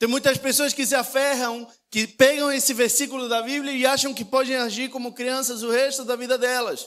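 This man's pitch is extremely high. He talks at a moderate pace in a monotone, flat intonation. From Uruguay. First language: Spanish (speaking Portuguese). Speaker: preacher. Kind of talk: sermon. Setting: church.

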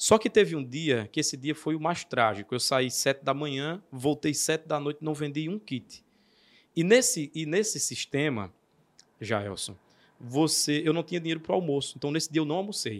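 A man with an unremarkable speaking voice talks at a moderate pace, his fairly high pitch moving in lively intonation, in a very clean recording with a silent background. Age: 30s. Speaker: journalist and political candidate. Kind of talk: casual interview.

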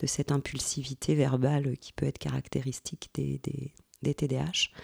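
A woman's very deep, low, dark and mellow voice with vocal fry, fairly slow and fairly even in intonation, in a very clean recording with a silent background and a dry, close sound with no echo. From Île-de-France. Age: 50s. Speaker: behavioural therapist. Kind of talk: podcast interview.

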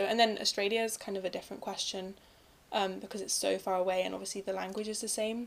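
The speaker has an English accent and a very fast pace. The intonation stays fairly even. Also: woman. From England. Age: 20s. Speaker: university student. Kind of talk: casual chat.

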